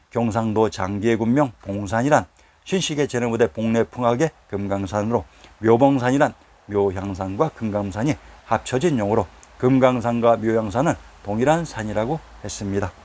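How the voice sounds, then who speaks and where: A man narrating a history lesson in a scripted, formal style, reading out lists of place names at a steady pace. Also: fairly low pitch.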